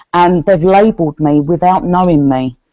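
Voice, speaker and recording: In an English accent, a woman speaks at a moderate pace with a fairly low pitch, a dark, mellow tone and ordinary pitch variation. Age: 30s. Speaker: guest on a women's support hangout. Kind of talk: personal testimony in group video chat.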